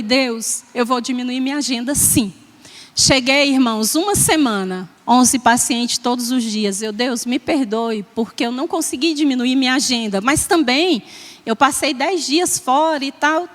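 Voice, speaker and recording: A high-pitched woman in her sixties from Brazil shares her personal testimony in a church, her voice ringing with a long hall reverb. She speaks with emotion and tells her story through quoted dialogue, often checking in with the congregation. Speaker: church member giving testimony.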